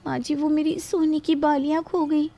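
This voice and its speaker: Woman playing a timid young daughter-in-law, high-pitched, fearful, pleading. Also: level tone, moderate pace, background noise.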